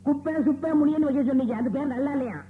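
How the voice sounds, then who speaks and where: An actor playing a naive, simple-minded barber's helper who answers back with innocent, silly remarks, in film audio taken from an old cassette tape. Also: male voice, extremely high pitch, fairly even intonation, very fast, phone-quality sound, a little hiss or hum. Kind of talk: 1990 Tamil film comedy dialogue from cassette.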